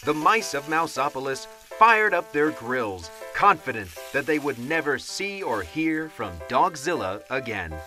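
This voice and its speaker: A man's voice: medium pitch, sing-song, measured pace, hardly any pauses, bright, forceful tone, faint music behind. A man narrating a children's audiobook in a dramatic, theatrical and suspenseful storytelling style.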